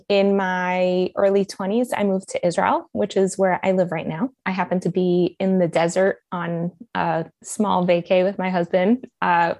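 A woman's voice: medium pitch, darkish tone, no echo. A woman from Colombia who grew up in Miami, speaking with an American accent as a life coach guest, telling her story earnestly with many fillers. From Colombia, raised in Miami. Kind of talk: conversational interview.

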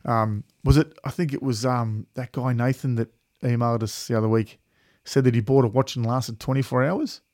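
A laid-back Australian man with an average-pitched voice, recorded dry and close. He talks like a podcast host swapping anecdotes with a mate, blokey and freely sweary. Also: fairly even intonation, normal speed, few pauses, a little mellow, no echo. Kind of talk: casual chat, anecdotes.

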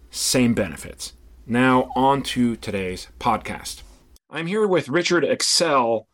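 Male podcast host, medium pitch. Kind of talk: podcast announcements and interviewing.

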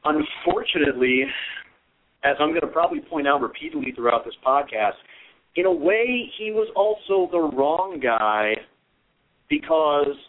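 A man co-hosting a podcast discussion, talking in rambling, halting stretches. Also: on the high side, lively intonation, narrow, tinny audio. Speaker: podcast co-host.

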